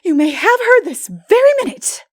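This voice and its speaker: A storybook teen girl, really high and dramatic, breathless, impulsive, big swoopy delivery. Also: sing-song, moderate pace. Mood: flushed, snappish. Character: impulsive, melodramatic, talkative teenage girl. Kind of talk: dramatic audiobook character voice.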